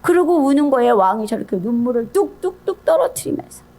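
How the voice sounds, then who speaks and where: High-voiced woman preaching a sermon. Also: fast talker. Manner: animated storytelling, swinging between soft and loud. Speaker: pastor's wife preaching.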